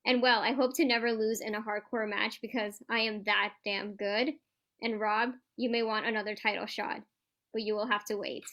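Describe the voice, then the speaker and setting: A woman's voice: mid-range voice, level tone, moderate pace, muffled recording, natural voice. A woman reading the part of a boastful, trash-talking champion pro wrestler in a staged promo reading, stumbling now and then over the script. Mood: boastful, challenging.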